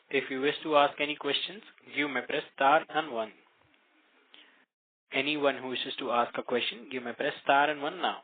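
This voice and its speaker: A man making scripted, formal announcements as a conference call operator. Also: medium pitch. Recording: narrow phone-line sound.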